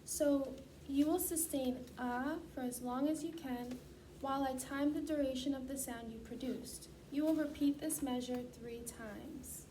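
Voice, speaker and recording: High-voiced woman, distant noisy recording. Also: fairly even intonation, measured pace, warm tone. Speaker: student clinician giving a voice assessment. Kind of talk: scripted clinical instructions. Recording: distant mic, clearly noisy.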